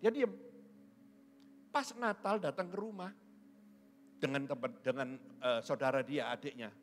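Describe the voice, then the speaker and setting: Joking middle-aged pastor preaching. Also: male voice, medium pitch, unhurried, a little hiss or hum. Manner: joking, teasing the congregation. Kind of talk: sermon. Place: church hall. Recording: church hall with long reverb.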